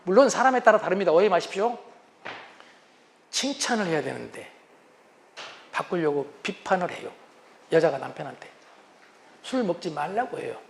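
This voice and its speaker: A man giving a humorous lecture on couples' communication, animated and acting out what spouses say. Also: sits high, normal speed, gravelly, pauses often, slight background noise. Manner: animated, acts out spouses' lines.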